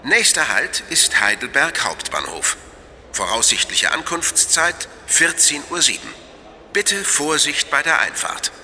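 A man playing a formal, measured German railway station announcer making scripted platform announcements. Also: on the high side, sing-song, bright, forceful tone, a little hiss or hum, full character voice. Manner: formal, clearly scripted, repeating details. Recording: long hall reverb.

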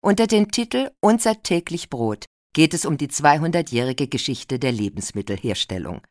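A woman's voice: sits low, sing-song, normal speed, darkish tone, no room sound, studio quality. A woman playing a radio presenter, reading scripted event listings in an informative, carefully articulated way.

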